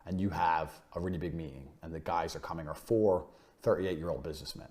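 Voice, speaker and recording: A man's voice: low-pitched, fast talker, darkish tone. Blunt, boastful man lecturing on sales. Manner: blunt, boastful, swears freely; punchy, emphatic repetition. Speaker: business course speaker. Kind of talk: motivational business lecture.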